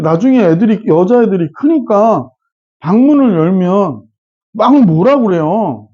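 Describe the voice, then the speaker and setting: A middle-aged man gives a math lecture in a classroom, chatty and frequently checking in with his students, with casual digressions along the way. His voice is high-pitched with a dark tone, and the audio sounds dull.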